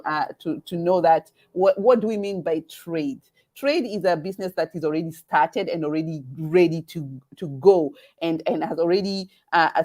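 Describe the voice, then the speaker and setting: Woman, Kenyan accent, lowish voice, event host, halting with fillers, video call. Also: darkish tone. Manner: halting, with many fillers and restarts. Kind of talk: live webinar presentation.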